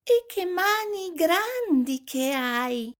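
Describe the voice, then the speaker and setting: A timid little girl in a red hood, her voice squeaky and very high. She speaks slowly, each question stretched out in wonder. A storybook child, small and trusting. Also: sing-song, heavily acted.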